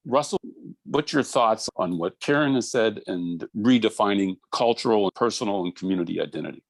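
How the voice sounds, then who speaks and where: A man's voice: fairly low pitch, normal speed, creaky, no room sound. A man moderating a panel, brief and polite as he passes questions to the guests.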